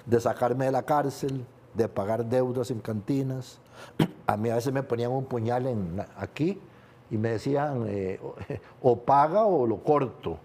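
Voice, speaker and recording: Older Costa Rican male interviewee, mellow low timbre, candid confessional storytelling with rueful laughs. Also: unhurried, husky. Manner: confessional, laughs through painful memories. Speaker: guest, sports journalist.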